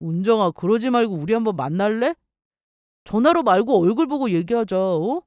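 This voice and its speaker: A woman's voice: mid-range voice, expressive, normal speed, darkish tone, dry recording, clean studio sound, close to an everyday voice. A woman voicing a clingy, self-pitying ex-husband in a dramatized story reading, pleading and whining. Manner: whiny, pleading.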